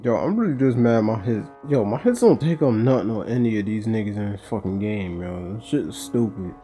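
Mellow-voiced man doing slangy gameplay commentary. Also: fairly low pitch, lively intonation, brisk, soft background music. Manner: slangy, blunt. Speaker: gamer. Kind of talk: casual, profane gameplay commentary.

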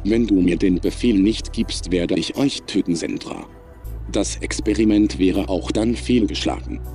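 An actor playing a cold, calm computer intelligence in a science fiction audio drama, speaking in measured, formal, emotionless sentences. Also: low-pitched, faint music behind. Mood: coldly insistent. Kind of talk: sci-fi audio drama acting.

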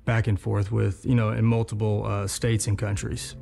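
Gravelly man, halting speech. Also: fairly low pitch, flat delivery, dark tone, faint music behind. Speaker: testimony speaker.

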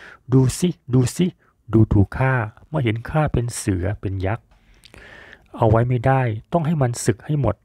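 An offended king of old scolds in a slow, indignant way in a storybook tale. The tone stays mellow and the sound is dry and close, as a male narrator acts him out. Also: mid-range voice, animated, creaky, husky, dry recording, exaggerated voice. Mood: angry.

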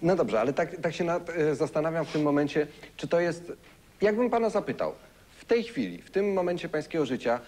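A young male talk show host asks his guest questions in a studio. His voice sits a bit high, and he circles around his questions with pauses. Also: expressive, a little mellow. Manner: measured, hesitant questions. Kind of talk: casual interview. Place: TV studio set.

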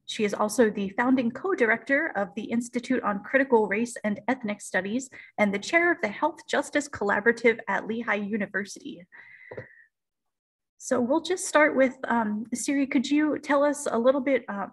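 A woman's voice: fairly high pitch, slightly rough. A young woman hosting an interview over a video call, reading an introduction and then asking a question. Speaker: host, interviewer. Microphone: video call webcam.

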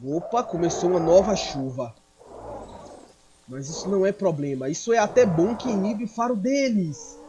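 Excitable Brazilian man narrating gameplay. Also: sits high, normal speed, noisy background. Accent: Brazilian Portuguese. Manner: excitable, swings into panicked shouting. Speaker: gameplay streamer. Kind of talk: in-character gameplay commentary.

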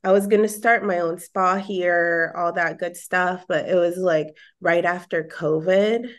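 A woman's voice: fairly low pitch, steady tone, unhurried. A woman in her thirties, from Japan and the Philippines, with an American accent, chatting as a podcast guest over a video call from her living room, laughing often and filling with "like". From Okinawa, Japan, and the Philippines. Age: 30s. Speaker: podcast guest, bikini bodybuilder and personal trainer. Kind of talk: casual interview chat. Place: home living room, indoors. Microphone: earphone mic on a video call.

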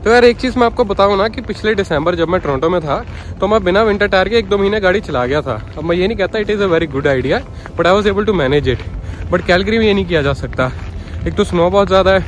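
Young male vlogger, quick and chatty, high voice, handheld camera outdoors, faint music behind. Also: expressive, slight background noise. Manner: chatty, mixes Hindi with English, calls viewers "bhai". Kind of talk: casual walking-tour vlog. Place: snowy city street outdoors.

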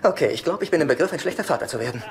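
An uptight, animated sitcom dad. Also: male voice, a little high, rapid-fire, background noise. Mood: resigned. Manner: exasperated, reproving. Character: uptight, indignant but weak-willed father. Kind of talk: dubbed sitcom acting.

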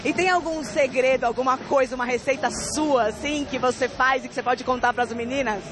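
A woman's voice: high voice, a little fast. Bubbly woman reporter at a noisy expo. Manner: bubbly, complimenting. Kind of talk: on-the-spot fair interview. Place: busy indoor sports expo. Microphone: handheld mic. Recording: noisy expo hall with music and crowd. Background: crowd and music.

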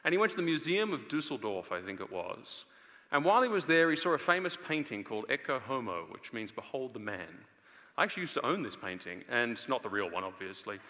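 Bright-voiced man preaching in a big echoing hall. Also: medium pitch, sing-song. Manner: earnest, rhetorical, with dramatic pauses and swings from loud to hushed. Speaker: preacher and conference speaker. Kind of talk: live sermon to a large audience. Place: stage of a large indoor auditorium. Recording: long reverb of a large auditorium.

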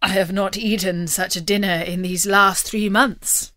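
A woman's voice: medium pitch, fairly even intonation, measured pace, pushed and bright, no room sound, clean studio sound. A woman voicing a sad, polite, impoverished male knight in a storybook, speaking formally and courteously. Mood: grateful, sad.

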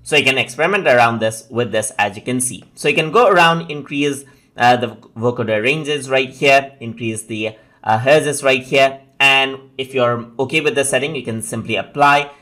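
A man presenting a software tutorial as a voice-over, explaining things step by step in an instructional way. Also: medium pitch.

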